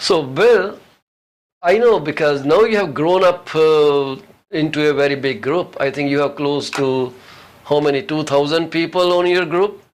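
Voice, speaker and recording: A man talks at a fairly slow pace and a fairly high pitch. His is a plain, everyday voice with ordinary pitch variation. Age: middle-aged. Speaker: TV talk show host. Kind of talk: interview.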